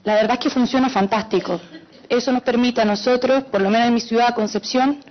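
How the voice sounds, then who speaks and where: A woman's voice: on the high side, fairly even intonation, fairly quick. A woman from Chile with a Chilean accent, speaking from the audience and explaining her point earnestly with many hesitations. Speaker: audience member asking a question. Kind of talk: audience comment at a panel. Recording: dull lo-fi conference audio.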